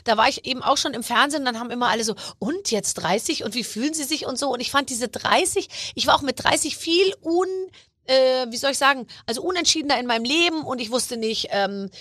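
A woman in her forties hosting a podcast, chatting casually and lively, teasing her guest. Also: sits high, no room sound, clean studio sound. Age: 40s. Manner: lively, teasing, quick to laugh. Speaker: podcast host. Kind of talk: casual interview chat.

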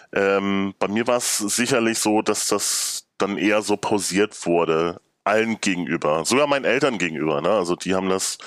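A man's voice: on the low side, fairly bright tone, no echo, clean studio sound. A man in his thirties chatting casually as a podcast guest. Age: 30s. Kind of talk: casual chat.

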